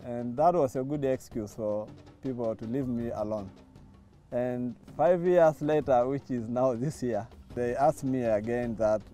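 A middle-aged man speaks in a mellow, warm voice, thinking aloud about his past. He talks in a measured way, with pauses and restarts. Soft music plays faintly under his words. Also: mid-range voice. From Tanzania. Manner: reflective, thoughtful, with frequent restarts and hesitations. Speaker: interviewee. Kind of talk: testimony interview. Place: outdoors by a lawn. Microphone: lapel mic.

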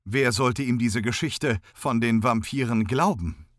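Man, audiobook narrator, scripted narration, steady even reading, mid pitch, dry close studio sound. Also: measured pace, no echo.

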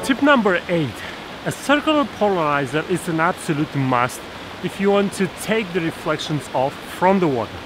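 With a fairly high, lively voice, a photography instructor in his thirties films a tutorial at arm's length next to a stream in a snowy forest. He walks through the steps with fillers and false starts, while music and rushing water sound behind him on a low-quality recording.

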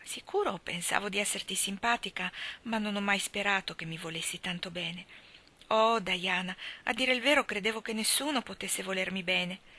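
A woman's voice: medium pitch, normal speed, pushed and bright. A woman voicing a dramatic, sentimental orphan girl who talks in a gushing, theatrical way. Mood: heartfelt.

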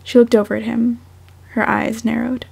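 Young female amateur fiction reader. Husky, creaky, soft-spoken, unhurried. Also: a little high, little pitch movement. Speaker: fan fiction author and podfic reader. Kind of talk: audiobook-style story narration, then casual self-conscious chat.

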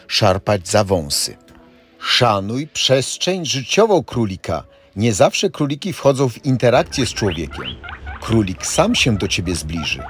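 Husky man narrating a tour voice-over. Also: on the low side. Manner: informative, listing facts steadily. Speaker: city tour guide. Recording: voice-over with faint background music. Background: faint music.

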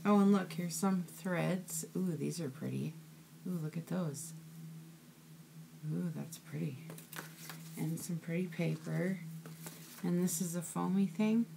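A woman's voice: on the low side, slow, vocal fry, long pauses, background noise. A woman chatting casually as she unpacks craft mail, gushing with "ooh" and "so cute" at every item. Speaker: crafting vlogger. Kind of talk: casual unboxing chat.

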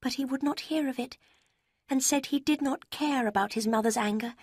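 A sugary, scheming young woman from an audiobook, as a woman narrator plays her. She gushes sweetly in a raised, breathy voice. The tone is slightly husky and dry. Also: high-pitched, moderate pace, no room sound, pitched above the performer's own voice. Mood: gushing.

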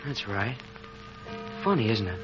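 A plain-spoken young man looking after his girl in a vintage radio drama. His voice is low and urgent. The recording is dull, with music underneath. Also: very animated, a little slow. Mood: tense, steady. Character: steady, protective young man on a date. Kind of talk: 1940s radio acting. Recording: muffled old radio recording, music behind.

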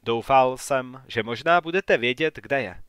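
A man voicing a courteous small-town real estate agent in an audiobook, a little raised and brisker than his narration. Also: medium pitch, clear, resonant tone, no echo, studio quality, natural voice. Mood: polite, probing. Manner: courteous, then sharp and questioning.

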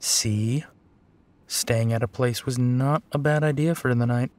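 A man's voice: mid-range voice, steady tone, measured pace, darkish tone, close to an everyday voice. A man playing a tired, teasing werewolf detective in an intimate audio roleplay. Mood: relaxed tired.

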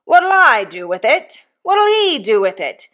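Lady doing a gruff growly young forge worker, jealous and defiant, rough country talk, audiobook style. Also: medium pitch, expressive, normal speed, bright, forceful tone. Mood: surly, aggrieved. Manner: rustic working-class speech, defiant. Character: gruff surly young journeyman blacksmith, quarrelsome and jealous.

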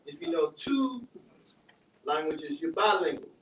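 A man's voice: on the high side, expressive, a little slow, fairly bright tone, a little hiss or hum. A man in the audience asking questions and telling a playful joke. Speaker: audience member. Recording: distant voice in echoey room.

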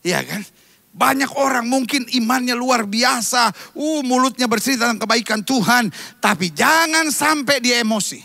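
A man preaching an animated sermon, his voice a little strained from coughing, switching from jokes to sudden shouts and soft asides. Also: very high voice, normal speed, gravelly, no room sound. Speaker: pastor. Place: church stage.

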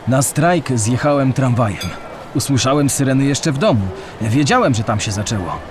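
A man's voice: mid-range voice, lively intonation, moderate pace, background noise, natural voice. An actor playing a plain-spoken male shipyard worker giving first-person testimony in an audio drama. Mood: reminiscing, resolute.

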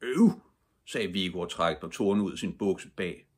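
An older man reading a bedtime story aloud in a calm, measured storytelling manner. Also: sits low, husky.

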